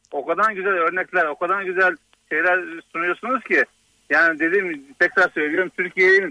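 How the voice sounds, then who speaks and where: Bright and sharp in tone, a man's high-pitched voice comes through dry and close with no echo. He keeps a moderate pace and fairly even intonation. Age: 40s. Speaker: concrete pump operator. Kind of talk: phone-in call to radio show.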